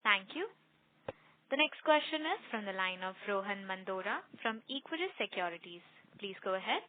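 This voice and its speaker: A woman's voice: medium pitch, animated, moderate pace. Woman operator, phone-like sound. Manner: polite, procedural. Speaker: conference call operator. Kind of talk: formal scripted call moderation. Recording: thin phone-like conference line.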